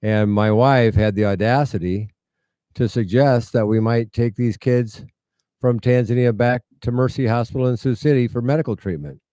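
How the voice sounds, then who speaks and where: Middle aged midwest guy telling a story in an interview, mellow smooth voice, kinda low, very dry sound. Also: moderate pace, no echo. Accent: American Midwestern. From United States, rural Iowa. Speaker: interview guest, medical mission founder. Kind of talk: conversational storytelling.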